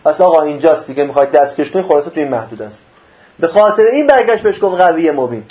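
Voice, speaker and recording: Man, high-pitched voice, religious lesson, reads arabic then explains, rhetorical questions, muffled lo-fi recording. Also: animated. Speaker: religious teacher. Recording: dull lo-fi recording.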